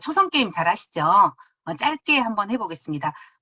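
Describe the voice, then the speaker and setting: A woman's voice swings very widely in pitch as she talks at a fairly quick pace. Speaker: lecturer, educator. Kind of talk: online lecture. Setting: online live lecture. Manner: fast-speaking.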